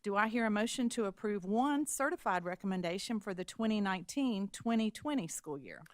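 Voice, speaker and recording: A woman chairing a school board meeting, brisk and procedural, reading motions and calling votes. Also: mid-range voice, expressive, no room sound.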